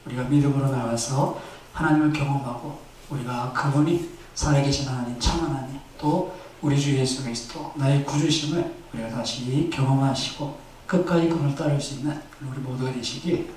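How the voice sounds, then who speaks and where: A man's voice: mid-range voice, darkish tone, a little hiss or hum. A male pastor delivering a Sunday sermon in a church, telling stories animatedly and exhorting the congregation. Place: church sanctuary. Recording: echoey church hall, distant mic.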